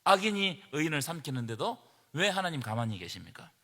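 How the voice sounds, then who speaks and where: A man, a pastor, leading a Bible study lecture in an emphatic manner that rises to forceful preaching, recorded in a church hall. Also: on the high side, very animated, fairly quick. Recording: long reverb of a church hall.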